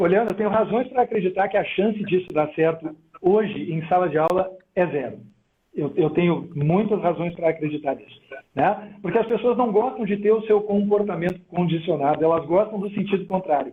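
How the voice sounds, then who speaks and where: A man's high-pitched voice, fairly quick in pace, with ordinary pitch variation. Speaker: teacher and educator. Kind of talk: interview in a live stream. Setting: live online video stream. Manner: animated.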